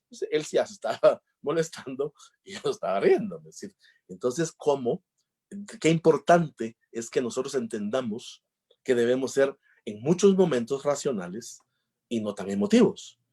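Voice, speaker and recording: Husky man telling jokey anecdotes. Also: mid-range voice, lively intonation, moderate pace, mellow. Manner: jokey storyteller, acts out dialogues. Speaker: lecturer on emotional intelligence. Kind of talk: conference talk with anecdotes.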